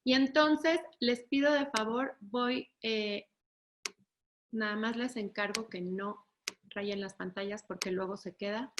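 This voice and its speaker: A woman's voice: mid-range voice, slow pace, background noise. A woman giving a webinar lecture, explaining things step by step and often checking in with her audience. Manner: acts out children and parents in raised voices.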